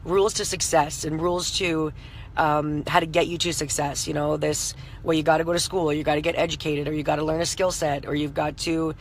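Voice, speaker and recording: A woman in her late thirties talks through a live stream with a hoarse, scratchy voice. She is loose and conversational, filling her speech with "you know" and breaking off to greet viewers. A faint hum of noise sits behind her. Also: low-pitched, little pitch movement, a little fast. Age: 30s. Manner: chatty, full of "you know" fillers, greets viewers by name. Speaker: entrepreneur hosting a live stream. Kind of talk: motivational live-stream talk.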